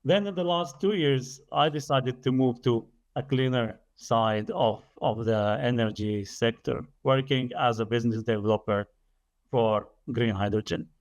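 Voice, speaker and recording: A man's voice: medium pitch, a little slow. A man in his late thirties whose first language is Arabic, a podcast guest explaining things earnestly and carefully in conversation. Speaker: podcast guest, energy business developer.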